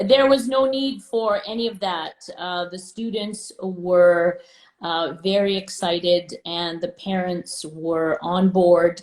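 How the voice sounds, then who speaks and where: A woman's medium-pitched voice at a very slow pace, with ordinary pitch variation and big swings in loudness. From Canada. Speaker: retired teacher. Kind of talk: interview answer.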